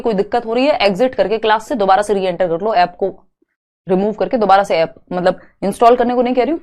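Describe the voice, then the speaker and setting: A young woman teaching a live online class, explaining step by step and slowly repeating key terms. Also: mid-range voice, darkish tone. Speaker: online exam-prep teacher.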